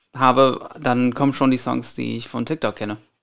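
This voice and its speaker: A man is speaking. His pace is moderate. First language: Hungarian (speaking German). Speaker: singer-songwriter. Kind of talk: casual interview.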